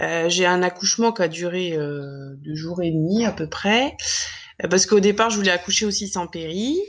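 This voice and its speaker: Her fairly low pitch and ordinary pitch variation give this woman an unremarkable speaking voice. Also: moderate pace. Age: 30s. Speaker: breastfeeding mother sharing her story. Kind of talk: testimony.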